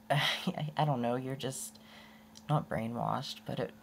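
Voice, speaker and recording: A young woman rambling candidly in a casual unedited vlog, her voice prone to going hoarse. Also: very deep voice, takes it slowly, a little hiss or hum. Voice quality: voice often goes hoarse. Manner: rambling and candid, with many restarts and laughs. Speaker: vlogger.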